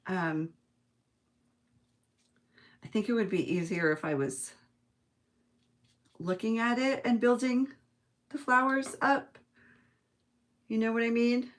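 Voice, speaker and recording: American lady doing a crafty livestream, just chatting away, kinda thinking out loud, chuckles a lot. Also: fairly high pitch, takes it slowly, long pauses. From United States. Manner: chatty, musing aloud, chuckling often. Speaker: host of a live craft stream. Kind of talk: casual craft-along chat, reading viewer comments.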